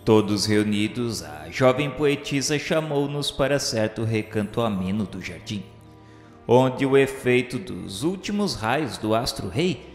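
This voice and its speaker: A man reading a radio novela narration in a solemn, florid, measured literary style. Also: mid-range voice. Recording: echoey long reverb over music. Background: music.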